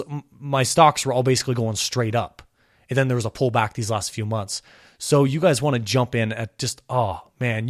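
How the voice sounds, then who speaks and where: A man hosting his own podcast, talking with impassioned energy, his voice a little hoarse from a cold. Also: dry recording, studio quality. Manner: impassioned ranting, pitch climbing when worked up. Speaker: podcast host. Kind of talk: solo podcast commentary.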